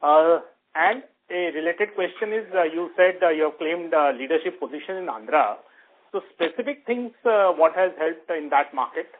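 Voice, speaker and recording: A male analyst puts questions to company management, halting and full of fillers. His voice sits a little high for a man. The sound is narrow and phone-like. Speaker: analyst on call. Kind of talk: asking questions on earnings call. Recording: tinny phone line.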